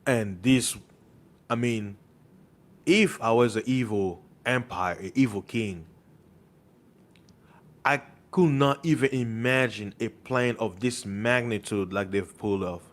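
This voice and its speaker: Speaking slowly and pausing often, a man with a mid-range voice preaches online in a passionate, insistent monologue, piling up rhetorical questions and repeating words to drive points home.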